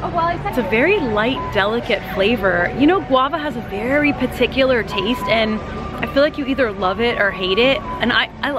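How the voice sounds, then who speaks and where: A woman giving casual, expressive food reviews and vlog commentary outdoors in a busy theme park. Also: a little high, moderate pace. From raised in a Cuban household. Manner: chatty, expressive, rambling descriptions. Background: crowd chatter and music.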